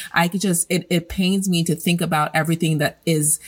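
A woman's voice comes across somewhat breathy. She speaks at a moderate pace. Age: 30s. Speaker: podcast host. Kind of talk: podcast interview. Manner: animated.

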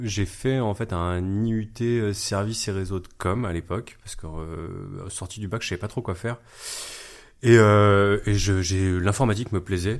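A man speaks very slowly in a fairly low voice with fairly even intonation but big swings in loudness, on a very clean recording with a silent background. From Savoie, France. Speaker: wedding videographer. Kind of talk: interview. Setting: in person.

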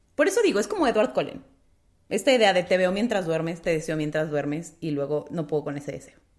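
A woman talks at a very fast pace in a fairly low pitch. Her intonation is lively. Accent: Mexican. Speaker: podcast co-host. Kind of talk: casual chat.

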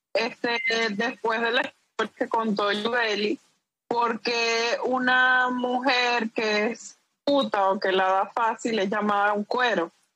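A woman's fairly high, bright, sharp voice at a very slow pace, with fairly even intonation and very even loudness. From Venezuela, Caracas. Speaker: podcast guest. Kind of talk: casual chat.

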